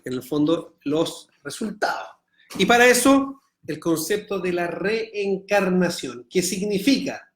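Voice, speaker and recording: Chilean rabbi, higher voice, teaching. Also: male voice. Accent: Chilean Spanish. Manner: explains by reading Hebrew text then translating, asks students rhetorical checks. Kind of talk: online Torah class.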